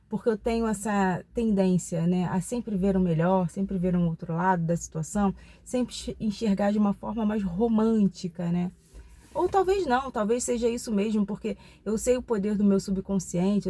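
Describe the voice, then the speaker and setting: With a dark tone and mid-range pitch, a channel host in her forties speaks in a Brazilian Portuguese accent. She's a Brazilian woman giving a casual personal vlog talk, confiding in her viewers reflectively and leaning on lots of tag questions.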